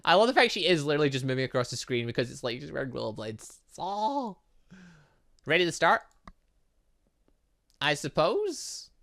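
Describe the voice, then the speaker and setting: Guy doing a chatty let's play, bright voice, pretty high, mutters to himself while he plays. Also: big pitch swings, normal speed, creaky, pauses often. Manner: chatty, thinking aloud, muttering asides to himself. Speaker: gaming channel host playing a visual novel. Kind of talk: casual let's play commentary, reading game text aloud.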